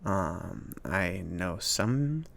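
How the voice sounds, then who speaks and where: Guy doing a soft asmr wizard shopkeeper, lowish creaky voice, awkward n reassuring, kinda rambly. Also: animated, drawn-out words, heavily acted. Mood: helpful, rambling. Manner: rambling, hesitant, reassuring, with nervous chuckles. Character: friendly awkward male mage running a small-town magic shop. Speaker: ASMR roleplay performer. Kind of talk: soft-spoken improvised ASMR roleplay.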